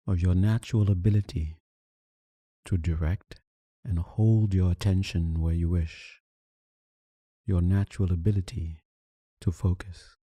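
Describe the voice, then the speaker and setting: A meditation teacher with a very dark, mellow, low voice guides a meditation, giving soothing instructions in short phrases separated by long, unhurried pauses. His tone has a breathy edge, and the sound is close and dry.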